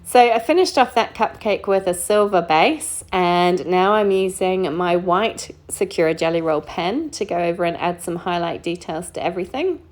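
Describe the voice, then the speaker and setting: Middle-aged New woman, low-pitched, relaxed chatty crafter voice-over, easygoing. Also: moderate pace, hardly any pauses. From New Zealand. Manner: chatty and relaxed, with frequent ums and small laughs. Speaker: card-making crafter. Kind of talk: casual voice-over narration while colouring. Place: home craft desk.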